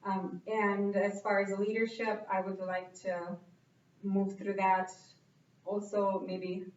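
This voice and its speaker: A woman club member answering interview questions in short, halting phrases. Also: mid-range voice, level tone, a little mellow. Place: club meeting room. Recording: roomy, distant, dull sound.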